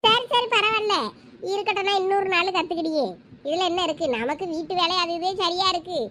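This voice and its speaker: A woman voicing gossiping adult women in a cartoon comedy, speaking a with lively banter. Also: very high-pitched, fairly quick, slight background noise. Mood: chatty.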